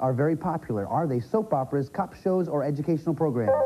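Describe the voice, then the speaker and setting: Faint music plays in the background behind a man's voice. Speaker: game show host. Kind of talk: game show hosting. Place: studio. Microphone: handheld.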